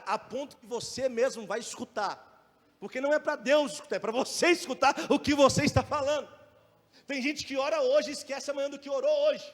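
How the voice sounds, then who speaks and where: A male pastor with a Brazilian Portuguese accent delivers a sermon in a strikingly high voice. His loudness and pace rise and fall, with rhetorical questions aimed at the listeners. Long reverb from the church hall trails behind every line.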